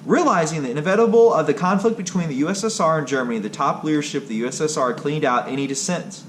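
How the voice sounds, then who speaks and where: A man reading a scripted history narration aloud, somewhat haltingly. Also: on the high side. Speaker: video creator and narrator. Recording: clearly noisy background ambience.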